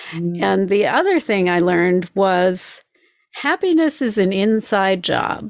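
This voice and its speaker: A plain, everyday voice with lively intonation at a fairly slow pace, on a very clean recording with a silent background. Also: woman. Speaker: podcast host. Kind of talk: interview, casual conversation. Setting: radio show broadcast.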